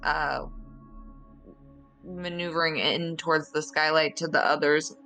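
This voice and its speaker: Tabletop player, female, slightly low and flat in pitch, casual, hesitant delivery. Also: a little slow, faint music behind, poor audio. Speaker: player in a tabletop roleplaying game. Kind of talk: casual game chat.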